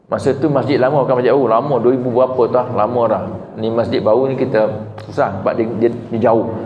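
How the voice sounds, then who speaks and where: A man preaching to a congregation, animated and humorous, with high emphatic peaks. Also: quick pace, soft background music. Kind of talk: religious talk to a congregation. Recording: echoey hall, dull lo-fi sound, faint noise.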